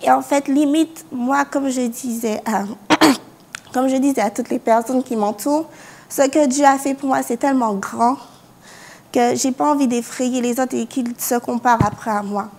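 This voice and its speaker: A woman's voice: sits high, normal speed, a little mellow. A young woman from France giving a personal faith testimony as a university student, earnest, with hesitant restarts and small laughs. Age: young adult.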